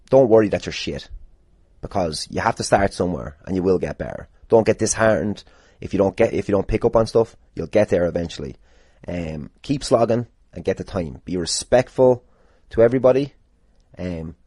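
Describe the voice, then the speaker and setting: A low-voiced Irish man talks casually on his own podcast, recorded close and dry. His tone is mellow and a bit rough, and he rambles along jokily, swearing freely as he answers questions. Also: no room sound. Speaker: podcast host, pro wrestler.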